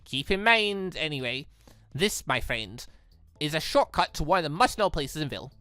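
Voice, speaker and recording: A man's voice: on the high side, sing-song, moderate pace, bright, forceful tone, no echo, soft background music. A man voicing a playful, cheeky young female student tour guide in a visual novel. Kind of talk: visual novel dialogue read aloud.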